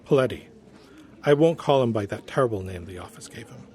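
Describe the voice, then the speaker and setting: An actor playing an earnest, gentle former human resources director in an audio drama, polite and prim in his wording. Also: fairly low pitch, expressive, fairly quick, natural voice. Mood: regretful, polite. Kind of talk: audio drama acting as interview guest.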